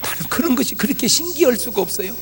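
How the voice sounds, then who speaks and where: A man pastor preaching a revival sermon, swinging from soft talk to shouting and acting out quoted prayers. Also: very high voice, animated, fast. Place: large church hall with congregation. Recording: church hall reverb, faint ambience.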